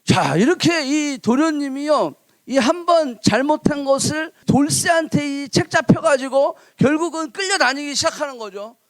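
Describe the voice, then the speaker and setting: A man preaches with a playful storyteller's flair, his high voice leaping up and down as he spins a tale. The sound is close and dry, with no room around it. He keeps drawing listeners in with questions. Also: normal speed, hardly any pauses, dry recording. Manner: animated, playful, acts out characters. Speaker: pastor. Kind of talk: sermon with lively storytelling.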